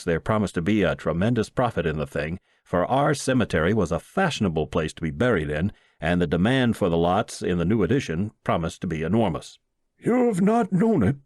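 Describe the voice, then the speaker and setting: A man reading a short story aloud as scripted, expressive audiobook narration. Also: low-pitched, dry recording, studio quality. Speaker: story reader.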